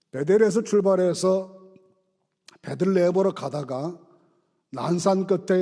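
Pausing long and often, a man speaks at a high pitch and a fairly slow pace. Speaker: pastor. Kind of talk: sermon.

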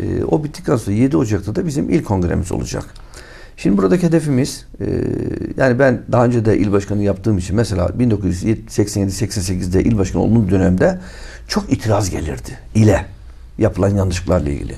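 A man with an ordinary speaking voice, a fairly low pitch, lively intonation and a moderate pace. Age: 60s. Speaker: lawyer and local party leader. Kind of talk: interview.

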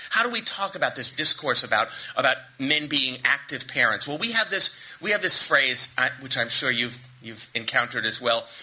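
A man with a New York accent, fairly high in pitch, swinging very widely up and down at a fairly slow pace over noticeable background noise. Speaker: professor giving a lecture. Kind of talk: public lecture. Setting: stage.

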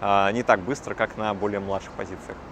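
The voice comes at a moderate pace with a dry sound and no echo. Light background noise can be heard. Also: man. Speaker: junior lawyer. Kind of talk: interview. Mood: calm, friendly. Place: street. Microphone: lapel.

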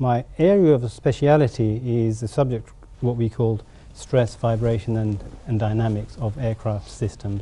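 Delivery is at a moderate pace, and the intonation stays fairly even. The tone is dark and mellow, with some breathiness. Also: man. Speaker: aerospace engineer. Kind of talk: TV interview. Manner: halting. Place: studio.

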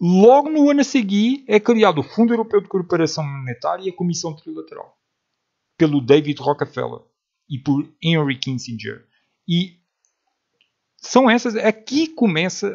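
Talking at a moderate pace with long, frequent pauses, a man uses a high voice with very wide pitch swings. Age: 40s. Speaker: political commentary youtuber. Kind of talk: live stream monologue. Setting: live stream from phone.

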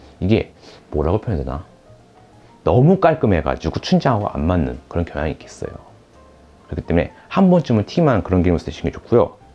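A man's very deep, low voice at a very fast pace, faint music in the background. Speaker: cooking channel host. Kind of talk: tutorial. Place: kitchen. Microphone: lapel.

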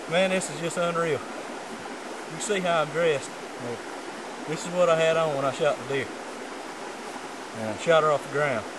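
With long, frequent pauses and ordinary pitch variation, a man talks at a moderate pace in a dry sound with no echo over noticeable background noise. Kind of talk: casual hunting story vlog. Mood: excited, amazed. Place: forest.

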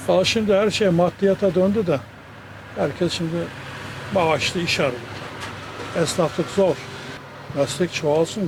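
Speaking at a fairly slow pace with long, frequent pauses, a man with a high pitch keeps his loudness very even and his pitch variation ordinary over noticeable background noise. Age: 70s. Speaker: watch repairman. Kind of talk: interview answer.

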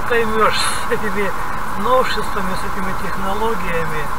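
There is loud background noise. A man is talking through it. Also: dry sound with no echo. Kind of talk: casual phone conversation. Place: car. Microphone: camera far.

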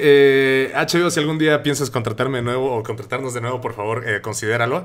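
Over noticeable background noise, a man with a Mexican accent speaks at a fairly quick pace. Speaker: guest on podcast, TV show host. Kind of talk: casual chat. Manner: halting.

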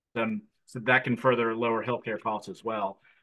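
A man with an American accent at a fairly quick pace over a quiet background. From rural northwest North Carolina. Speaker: state legislator, economist, candidate; candidate. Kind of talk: political forum answers. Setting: video call. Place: home room. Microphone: video call.

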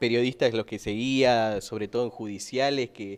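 His pitch shows ordinary variation. This man keeps a moderate pace. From Argentina, Santa Elena (Entre Ríos); Entre Ríos, Argentina. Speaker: court reporter. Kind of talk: interview. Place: office. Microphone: handheld.

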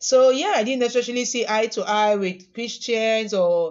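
A woman speaks in a normal speaking voice at a fairly high pitch. Her pace is moderate and her intonation fairly even. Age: 40s. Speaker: minister and therapist. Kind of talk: live-streamed testimony and preaching. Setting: live social media stream.

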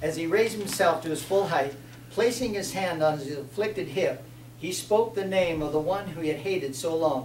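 In plain reading aloud, the speaker's pitch shows ordinary variation.

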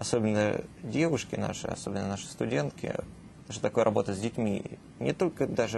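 A man with a fairly low pitch talks at a fairly quick pace with very wide pitch swings, over noticeable background noise. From Russia. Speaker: youth leader and educator; educator. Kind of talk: studio interview. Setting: TV studio. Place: studio. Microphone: lapel.

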